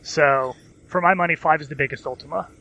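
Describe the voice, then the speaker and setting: A man's voice: a little high, a little fast, creaky, sharp tone. A man giving his opinions as a panelist in a casual gaming podcast, heard over lo-fi voice chat. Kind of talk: casual, opinionated discussion about games. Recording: dull lo-fi voice chat.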